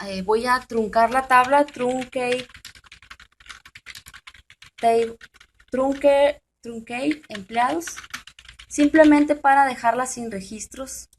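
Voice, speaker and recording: A woman's voice: on the high side, a bit bright. A woman hosting a programming tutorial, thinking aloud with fillers and asking the viewer questions. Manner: informal, thinks aloud with many fillers and restarts; addresses the viewer directly with questions. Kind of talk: screen-recorded software tutorial.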